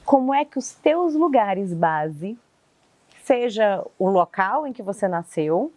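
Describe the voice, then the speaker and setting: A woman interviewing a guest, speaking gently and effusively. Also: mid-range voice, very animated, slow. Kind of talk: warm interview questions. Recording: faint background noise.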